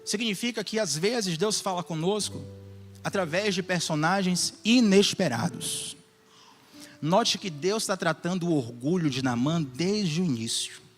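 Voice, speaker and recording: A man with a Bahian Brazilian accent preaching a sermon, animated, with joking asides and acted-out dialogue. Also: sits high, in a large hall. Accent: Bahian Brazilian Portuguese.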